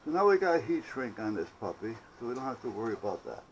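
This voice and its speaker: A man's voice: medium pitch, big pitch swings, fast talker, slight background noise, low-quality recording. A man talking in a casual, rambling, folksy way, like a DIY vlogger telling a story. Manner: folksy, salty-tongued, conversational.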